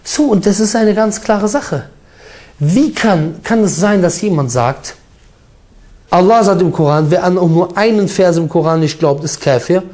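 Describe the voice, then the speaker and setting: A man preaching a sermon with emphatic, forceful delivery, mixing in Arabic recitation. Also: high-pitched, lively intonation, unhurried.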